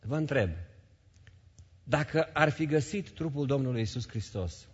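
A male pastor preaching a sermon in a church hall, emphatic, repeating phrases and swinging between loud and soft. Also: mid-range voice, slightly rough. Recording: reverberant hall, dull sound.

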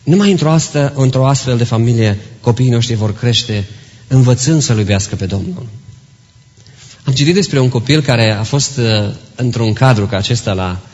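A pastor preaches an earnest sermon to his church congregation, exhorting them and telling stories. His voice is medium-pitched and darkish. The recording is muffled, with long reverb from the church hall.

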